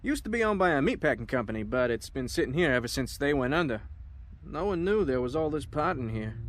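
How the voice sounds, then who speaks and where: A man's voice: mid-range voice, sing-song, fairly quick, a little hiss or hum, close to an everyday voice. An actor playing an easygoing, cocky male investigator in an audio drama, talking casually. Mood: matter-of-fact.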